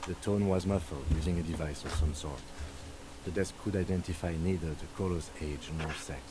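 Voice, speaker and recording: A man voicing a calm, methodical police lieutenant who briefs his partner in a measured, matter-of-fact way. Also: sits low, background noise, natural voice.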